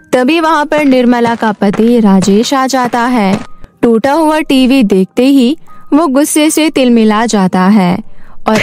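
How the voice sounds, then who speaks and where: A woman narrating a scripted animated moral story as its storyteller. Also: a little high.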